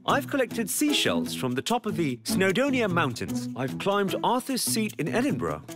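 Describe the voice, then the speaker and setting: Man acting an eager high-voiced adventurer. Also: wildly swooping pitch, normal speed. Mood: proud wonder. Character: eager, well-travelled adventurer reminiscing. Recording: loud music under the voice.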